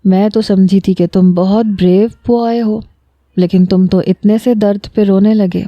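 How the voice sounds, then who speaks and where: A woman voicing a young woman doctor who speaks softly and patiently to a patient, in a storybook reading. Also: medium pitch, fairly even intonation, no room sound, highs cut off, close to an everyday voice. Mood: coaxing. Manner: soft, patient, coaxing.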